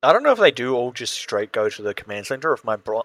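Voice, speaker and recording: With a strong Australian accent and fairly even intonation, the voice comes through dry and close with no echo on a very clean recording with a silent background. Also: man. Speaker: podcast co-host. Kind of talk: casual chat.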